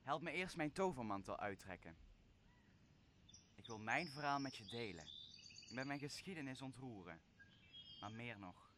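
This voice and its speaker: A man playing a vengeful exiled magician and father in a radio play, brooding and theatrical, with deliberate drawn-out phrasing. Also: mid-range voice, lively intonation, background noise, lightly acted. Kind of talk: Dutch radio play acting.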